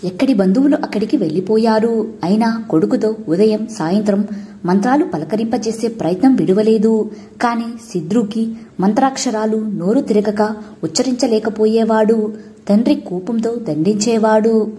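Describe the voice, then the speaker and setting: Mellow-voiced woman narrating a story. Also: fairly high pitch. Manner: steady, measured storytelling.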